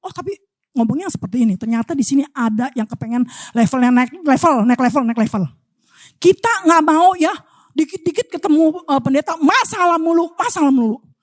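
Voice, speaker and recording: A woman's voice: high-pitched, fairly quick, no echo, clean studio sound. A woman preaching a sermon in church, talking animatedly and calling out to the congregation again and again. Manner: animated, addresses congregation as "Saudara" constantly.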